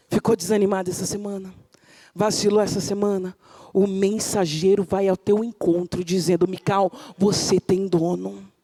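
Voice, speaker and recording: A woman pastor preaching a sermon, dramatic and animated, shouting at peaks and dropping to near whispers, acting out the figures she quotes. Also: medium pitch, big-room sound. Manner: acts out biblical figures in quoted voices, laughs with the congregation.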